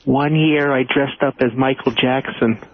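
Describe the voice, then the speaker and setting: Man as creepy male inmate for prank call, ordinary pitch, narrow phone-like sound. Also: steady tone, unhurried, slight background noise, natural voice. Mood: lewd, eager. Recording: tinny, narrow phone line.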